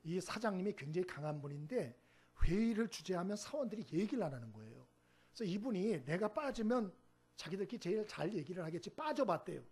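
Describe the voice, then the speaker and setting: A man preaching as a pastor, telling stories with lively acted-out quotes and asking the congregation for responses. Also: sits high, quick pace, husky. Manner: animated storytelling, acts out quoted speech, asks the congregation "응?". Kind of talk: sermon.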